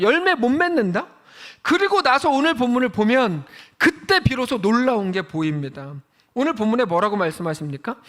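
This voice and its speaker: A man preaching a sermon as pastor, chatty and animated, asking the congregation questions and acting out quoted voices. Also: extremely high pitch.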